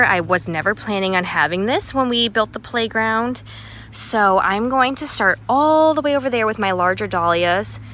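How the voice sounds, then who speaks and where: Bright-voiced woman vlogging in her garden. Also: medium pitch, slight background noise, low-quality recording. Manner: chatty, walking and showing plants. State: out of breath. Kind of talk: casual gardening vlog. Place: outdoors in a backyard garden. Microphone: phone camera.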